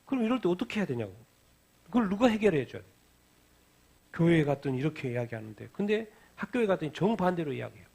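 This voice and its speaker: Male pastor, middle-aged, gravelly and a touch high; question-and-answer sermon style, repeats his points. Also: sing-song, fast, a little mellow. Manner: asks the congregation questions and answers them himself; repeats key phrases for emphasis. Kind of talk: midweek Bible-reading sermon. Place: church sanctuary.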